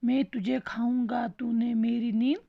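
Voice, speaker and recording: A woman's voice: a little high, fairly even intonation, a little slow, gravelly. A woman doing a threatening storybook lion. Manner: threatening, scolding. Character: proud male lion, king of the jungle, woken angry. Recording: dull lo-fi dry recording.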